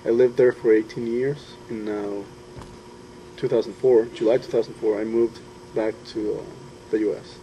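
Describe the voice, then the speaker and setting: A young man from Honduras talks thoughtfully about moving to the U.S., pausing often and restarting his sentences. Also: lowish voice, fairly even intonation, warm tone, slight background noise, rough recording. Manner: thoughtful, hesitant with fillers and restarts. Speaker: student interviewee. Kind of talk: personal testimony.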